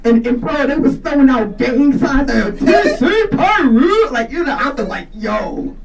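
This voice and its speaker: Woman guest comic, deep voice, loose slangy delivery, lively swings, slightly distant mic. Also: measured pace. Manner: laid-back, slangy and joking. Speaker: guest comedian. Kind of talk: casual chat. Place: garage studio with a live audience.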